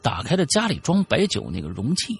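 A man's voice: medium pitch, huge pitch swings, brisk, gravelly, breathy edge. A man hosting a show, casually retelling a listener's ghost story with chatty asides and fillers. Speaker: host reading a listener's story.

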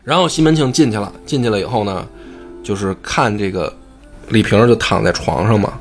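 A man who hosts a podcast, retelling a classic novel in animated, colloquial chat and swearing freely. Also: fairly low pitch, fairly quick, soft background music. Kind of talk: casual storytelling chat.

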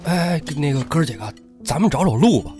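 A man's voice: fairly high pitch, lively intonation, fairly quick, mellow, natural voice. A man playing a timid, eager-to-please miner in an audio drama, stammering and repeating himself in an ingratiating way. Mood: anxious, reassuring. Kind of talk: Chinese audio drama acting. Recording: background music under the voice.

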